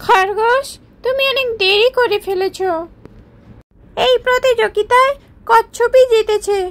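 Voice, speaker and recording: A woman's voice: very high-pitched, fairly even intonation, a little slow. A woman voicing a male animal referee in a children's cartoon, speaking in a formal, announcing way. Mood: matter-of-fact. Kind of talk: children's moral-story cartoon dialogue.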